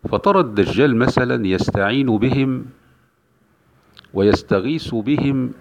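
A man's voice: lowish voice, vocal fry, a little hiss or hum. A male Islamic preacher giving an emphatic religious lecture, repeating key phrases for weight. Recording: dull lo-fi recording.

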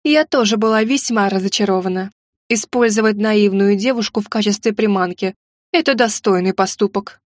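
A woman narrating a first-person fantasy audiobook, lively and ironic. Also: mid-range voice, normal speed, dry recording. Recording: dry close recording.

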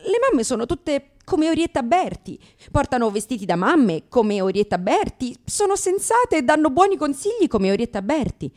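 A woman's voice: high voice, very animated, normal speed, a little mellow. A woman performing a theatrical comic monologue as a brash, neurotic lesbian comedian, sardonic, exclamatory, crude and self-mocking. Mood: anxious, ironic.

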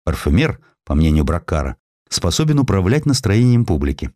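A man narrating a historical sketch for a radio production, with an expressive, varied storytelling delivery on a close studio mic. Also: low voice, moderate pace, dry recording.

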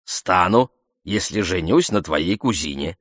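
Narrator doing a laid-back teasing guy, low and dry, audiobook. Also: expressive, unhurried, fairly bright tone, no echo, heavily acted. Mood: playful. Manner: playful, teasing. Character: easygoing joking adult man, boyfriend.

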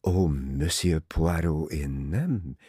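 A man's voice: very deep voice, mellow, slightly rough, no echo, clean studio sound. A man voicing a distraught young woman in love, tearful and pleading.

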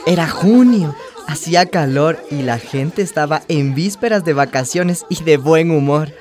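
A woman's voice: low voice, unhurried, a crowd in the background. An actress playing a hopeful young trans woman from a small town, narrating her story earnestly in a radio drama. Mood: earnest, nostalgic. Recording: music bed behind the voice.

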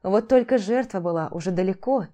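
A woman narrating a fantasy audiobook in a measured, dramatic reading. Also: medium pitch, dark tone, muffled recording.

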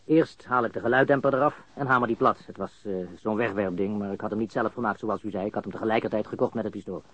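An actor playing an agitated criminal suspect under interrogation in a radio crime drama, indignant and prone to swearing. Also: male voice, fairly low pitch, fairly even intonation, fast talker, no echo, close to an everyday voice, poor audio. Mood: matter-of-fact.

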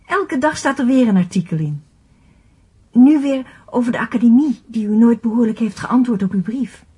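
An actress in a radio play as a grateful, devoted blind musician, speaking earnestly in a soft, breathy voice. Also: female voice, fairly high pitch, expressive, moderate pace. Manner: reverent, earnest.

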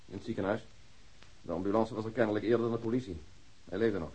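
Dry, husky male police detective. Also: on the low side, quick pace, a little mellow, poor audio. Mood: wry, businesslike. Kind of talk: Dutch radio crime drama acting.

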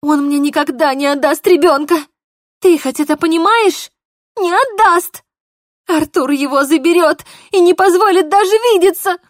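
A woman voicing a distraught young woman who is crying and shouting in a high, shrill voice. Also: moderate pace, dry recording, studio quality. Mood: sobbing.

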